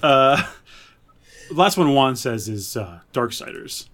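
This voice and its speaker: A man's voice: mid-range voice, sing-song, slow, fairly bright tone. Man casually hosting a podcast chat. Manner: reads out listener suggestions and reacts. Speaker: podcast host. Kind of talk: casual chat about games and films.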